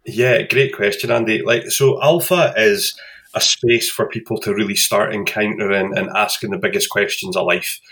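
Low-voiced Scottish man telling his story. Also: moderate pace. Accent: Glasgow Scottish. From Scotland. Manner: relaxed, many fillers like um and kinda. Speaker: podcast guest. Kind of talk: casual conversational storytelling.

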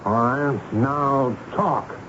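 A stern army commander, muffled radio recording. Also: male voice, mid-range voice, extremely slow. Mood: controlled, insistent. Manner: authoritative, clipped, probing questions. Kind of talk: 1970s radio drama acting. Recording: muffled, noisy 1970s radio broadcast.

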